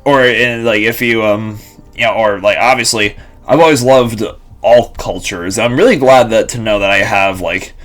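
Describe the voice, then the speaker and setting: A man's voice: on the low side, moderate pace, fairly bright tone. Young man rambling with lots of fillers. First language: Lithuanian and English bilingual. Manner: rambling, many fillers and restarts. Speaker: vlogger. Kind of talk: casual rambling monologue.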